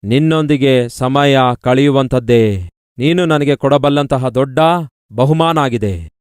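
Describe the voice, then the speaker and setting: A man voicing a gentle father who reassures his daughter in a sermon story. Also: mid-range voice, unhurried, clean tone, no room sound, studio quality, voice pushed down, natural voice. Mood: tender. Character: tender loving father speaking to his daughter.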